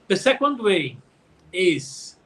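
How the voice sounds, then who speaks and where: A man with a Brazilian Portuguese accent answering interview questions slowly and haltingly, searching for words in English. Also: high-pitched, very animated, fairly bright tone. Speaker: human rights organization founder.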